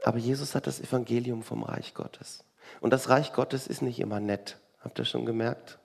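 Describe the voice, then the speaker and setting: Gravelly German-speaking preacher, conversational. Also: male voice, medium pitch, steady tone, normal speed, darkish tone. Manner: conversational, rhetorical questions, wry asides. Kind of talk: sermon.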